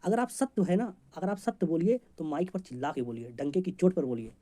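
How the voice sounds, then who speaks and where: Fast-talking male exam teacher. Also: a little high, mellow. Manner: rapid, chatty, jokey teaching with homely examples. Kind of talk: memory-trick lesson for competitive exams.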